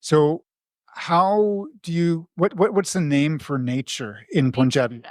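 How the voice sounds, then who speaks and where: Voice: medium pitch, slow pace, dry recording. Hesitant interviewer, casual questions, dry recording. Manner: hesitant, repeats words.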